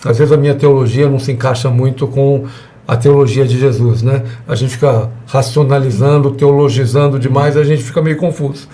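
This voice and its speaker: A man's voice: medium pitch, steady tone, brisk, mellow. A man teaching a church evangelism class in a conversational way, acting out little dialogues with the people he talks to. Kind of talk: church seminar lesson.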